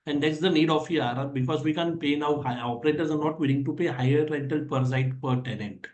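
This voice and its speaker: This company executive has an Indian accent and a fairly high, slightly mellow voice that moves at a quick pace. Answering analysts on an earnings call, he explains at length and restates what he's said, all through echoey conference-call audio.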